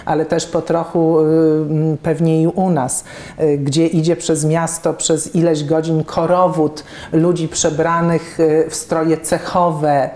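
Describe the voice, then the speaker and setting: A woman's voice: low-pitched, little pitch movement, takes it slowly, mellow, reverberant. A woman in her fifties interviewing a guest, talking thoughtfully with many fillers and restarts. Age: 50s. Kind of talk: conversational interview. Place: office room with plants and bookshelves.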